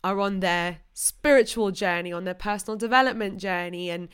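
Smooth-voiced young woman podcast host. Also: mid-range voice, normal speed, fairly bright tone. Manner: gushing, friendly, upbeat. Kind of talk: casual interview chat.

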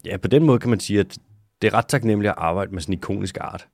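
A man with a lowish voice chats casually as a podcast co-host, explaining animal facts with swearing and easy laughter. The sound is close and dry, with no room around it. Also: creaky, darkish tone, no room sound. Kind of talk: casual chat about animals.

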